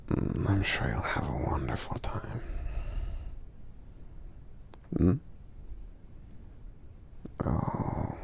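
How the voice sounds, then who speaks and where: In a soft-spoken ASMR roleplay, a man plays a kindly, considerate giant friend, using an exaggerated bass voice in a gravelly half-whisper. He's gentle and hesitant, murmuring with thoughtful hums, and the mood is warm and sincere.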